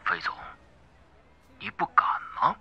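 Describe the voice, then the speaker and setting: A man's voice: slow pace, sharp tone, dull audio. A man voicing a cold, suspicious crime boss in an audiobook, curt, commanding and menacing. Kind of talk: audiobook character acting.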